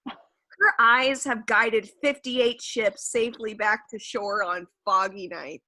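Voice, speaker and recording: A woman acts out a brash, dramatic actress griping and boasting over drinks. Her voice is bright and fairly high, blunt in a comic sketch style, with a very dry recording. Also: slow pace, no room sound, heavily acted, rough recording. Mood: brash, grumbling. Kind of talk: comedy sketch reading.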